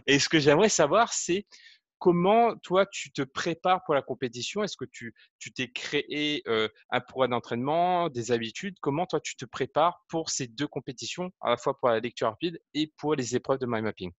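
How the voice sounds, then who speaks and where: A man's voice: fairly high pitch, animated, normal speed, fairly bright tone, no echo, muffled recording. A man hosting a casual interview, asking friendly, chatty questions with fillers. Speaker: interviewer, host.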